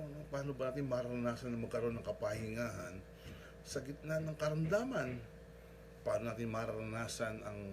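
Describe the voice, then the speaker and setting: A man's voice: on the low side, noisy background. A male pastor delivering a devotional sermon, telling a story with frequent polite particles and tag questions.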